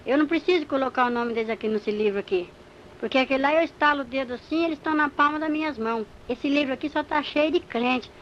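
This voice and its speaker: A woman's voice: high-pitched, quick pace, fairly bright tone, highs cut off, a little hiss or hum. A woman voicing a mocking male devil who boasts about the churchgoers he has caught. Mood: gloating.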